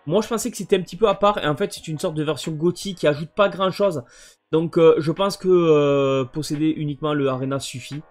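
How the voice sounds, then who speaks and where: A man's voice: fairly high pitch, fairly quick, faint music behind. A man casually presenting his video game collection, hesitant and full of fillers. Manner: hesitant, many fillers and restarts.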